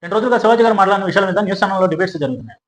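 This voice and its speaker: A man's voice: high-pitched, expressive, very fast. A man giving a sarcastic opinion commentary, firing off rhetorical questions. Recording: roomy echo.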